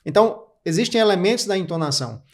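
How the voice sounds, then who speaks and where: Brazilian guy on a podcast, quick clipped lists, talks fast and a bit high. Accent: Brazilian Portuguese. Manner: energetic, lists points in quick clipped phrases. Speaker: podcast guest. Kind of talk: didactic interview talk.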